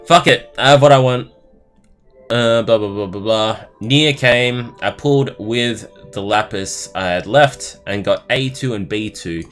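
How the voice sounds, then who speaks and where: A man's voice: fairly low pitch, fairly bright tone. A man livestreaming, reading aloud expressively with casual asides and commentary of his own. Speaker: streamer.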